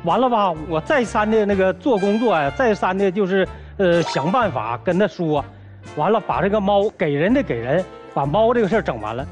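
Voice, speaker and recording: A high-pitched man tells his complaints in a colloquial, animated way. His voice swings widely in pitch. Soft music runs underneath. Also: brisk. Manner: colloquial northeastern speech, lively complaining. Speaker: guest husband.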